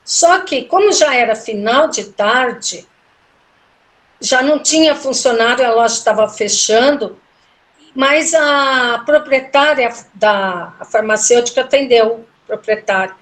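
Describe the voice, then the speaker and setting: A woman, a guest in an interview, telling a personal story animatedly and acting out the dialogue. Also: a little slow. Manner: animated, acts out quoted dialogue with big pitch jumps. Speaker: interview guest, tarot reader.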